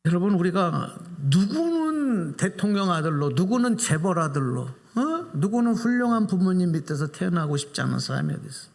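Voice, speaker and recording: A man's voice: high-pitched, big pitch swings, normal speed, few pauses. A male pastor giving a Sunday sermon in a church sanctuary, preaching with animation and putting questions to the congregation. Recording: reverberant church hall.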